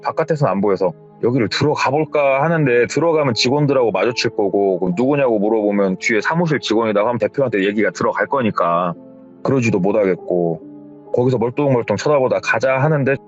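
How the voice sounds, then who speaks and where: A male horror storyteller speaks in a relaxed, conversational way, retelling another's story with a lively, moving pitch. The audio is slightly dull and lo-fi. Soft music plays faintly behind. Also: quick pace. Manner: conversational, retells secondhand with hearsay endings. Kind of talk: casual spoken storytelling.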